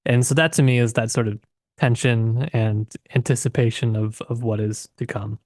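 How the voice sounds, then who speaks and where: A man's voice: medium pitch, fairly even intonation, normal speed, darkish tone, no room sound, studio quality. A man co-hosting a casual literary discussion, conversational and tentative as he thinks aloud. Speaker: podcast co-host.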